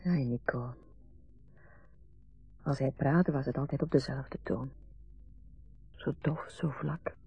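A husky, dry-witted grown daughter. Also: female voice, a bass voice, takes it slowly, pauses often, muffled recording, soft background music, full character voice. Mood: weary, wry. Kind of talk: naturalistic radio drama acting.

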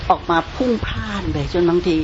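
A woman meditator asking her teacher a question, hesitant and polite, searching for words. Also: fairly quick. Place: meditation retreat hall. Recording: dull sound with faint hiss.

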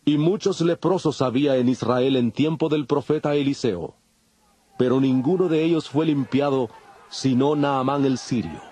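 An actor playing a solemn, authoritative preacher and prophet in a dramatized audio Bible, declaiming with emphasis. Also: male voice, medium pitch, normal speed, warm tone, husky, lightly acted. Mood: solemn, proclaiming.

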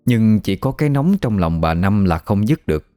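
Low-voiced guy reading a ghost story, measured, faint music behind. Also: lively intonation, dry recording. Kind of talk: scripted ghost story narration. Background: soft music.

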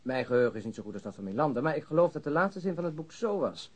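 A man's voice: a little high, very animated, rapid-fire, a little mellow, slightly rough. An actor playing a wry, bookish male detective in a radio drama, with an opinionated, sardonic way of talking. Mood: mocking.

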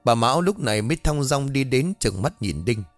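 A man telling a ghost story in a measured, dramatic way. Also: mid-range voice, animated, no room sound. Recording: dry close voice with faint background music.

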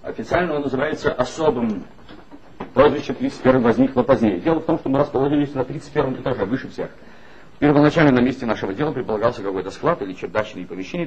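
An actor playing a bitter, ironic former magazine writer in a 1960s radio play, speaking in a measured, wry way. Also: male voice, medium pitch, darkish tone, natural voice. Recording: dull old 1960s radio recording with faint hiss.

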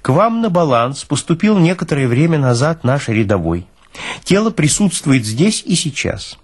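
A man performs a fussy army medical officer from a radio play, forever pleading and lamenting. His voice rides high and swings widely with theatrical self-pity. The tone is somewhat husky. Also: sing-song, normal speed. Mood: pleading urgency.

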